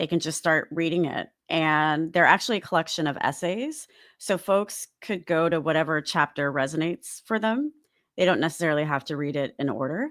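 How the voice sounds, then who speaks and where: A woman's unremarkable speaking voice with an American accent, fairly low in pitch, ordinary pitch variation and a fairly quick pace, on a very clean recording with a silent background. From California. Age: 40s. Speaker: author and organizational consultant. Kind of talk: interview.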